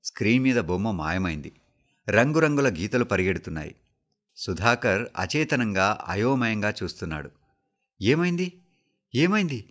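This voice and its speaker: A man with a Telangana accent reading a story aloud for the radio in a steady, measured way. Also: lowish voice. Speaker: story reader.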